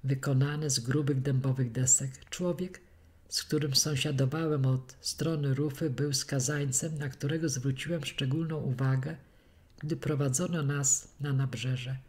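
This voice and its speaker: A woman reading a classic detective story aloud in a measured narration. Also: extremely low pitch, fairly even intonation, darkish tone. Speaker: audiobook narrator. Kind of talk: scripted narration of a classic novel.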